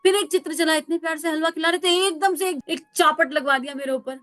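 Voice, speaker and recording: A woman voicing a carefree, serene old male holy wanderer in a spoken parable, explaining calmly. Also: very high-pitched, fast, dry recording.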